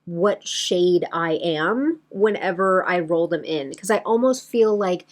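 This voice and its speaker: A woman talking casually to her viewers as a beauty vlogger, in a chatty, rambling way that addresses them directly. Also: fairly low pitch. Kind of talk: casual chatty vlog to camera.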